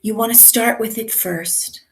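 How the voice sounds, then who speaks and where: A woman teaching communication skills, her voice a little raspy from a night of yelling at a concert, speaking in a deliberate, emphatic way. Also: fairly high pitch. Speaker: communication coach. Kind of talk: teaching to camera.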